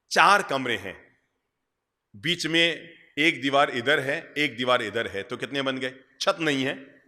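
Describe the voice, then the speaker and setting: Bright-voiced man preaching in a reverberant hall. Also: mid-range voice. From India. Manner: animated, rhetorical questions to the audience, repeats phrases for emphasis. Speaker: Jain monk preacher. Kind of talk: sermon.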